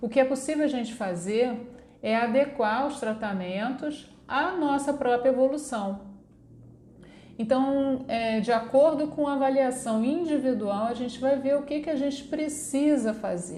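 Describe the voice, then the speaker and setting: With audible room echo, the voice moves at a fairly slow pace with ordinary pitch variation. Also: woman, high pitch for a woman. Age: 60s. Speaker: dermatologist. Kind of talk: educational talk. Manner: casual, with fillers.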